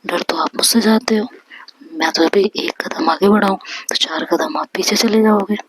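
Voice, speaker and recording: A woman whispering the part of a defiant, sharp-tongued young woman in a whispered role-play, snapping out rapid retorts. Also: medium pitch, husky, natural voice, poor audio. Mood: scolding.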